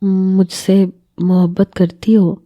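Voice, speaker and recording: A young newly married husband in a romantic storybook reading, possessive yet tender, curt when angry and coaxing when he softens, as a woman reads his lines. The tone is very dark and mellow, and the pitch sits at an ordinary middle level. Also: level tone, natural voice.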